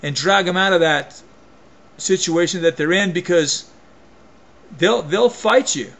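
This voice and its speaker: A man's voice: high voice, measured pace, fairly bright tone. A man delivering an opinion rant to camera as a vlogger, emphatic and folksy, often restarting and repeating his phrases.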